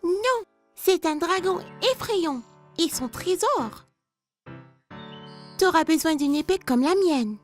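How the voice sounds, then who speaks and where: Little cartoon girl, very high childlike voice, animated, playful. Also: slow, long pauses, soft background music, heavily acted. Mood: dramatic, playful.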